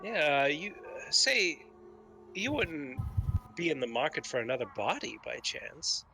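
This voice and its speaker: A man's voice: fairly high pitch, big pitch swings, a little slow, creaky, music in the background. A man playing a tabletop game, bantering casually, sometimes in character.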